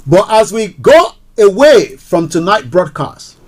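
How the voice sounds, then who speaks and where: Impassioned Nigerian man with a lively pitch. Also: slow. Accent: Nigerian Yoruba. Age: 40s. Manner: switches between English and Yoruba, rhetorical questions, emphatic. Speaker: radio show host. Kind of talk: impassioned political radio talk.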